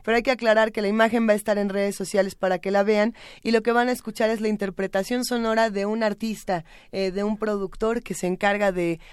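A woman hosts a live radio program, her voice smooth and clear. She chats easily and reads listeners' messages aloud, recorded close and dry with no room sound. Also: mid-range voice, fairly even intonation, quick pace, hardly any pauses, dry recording. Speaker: radio host.

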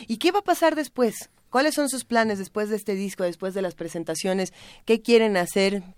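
A woman hosting a morning radio show, asking drawn-out, relaxed questions. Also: medium pitch, smooth, dry recording, studio quality. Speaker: radio host. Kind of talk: casual radio chat.

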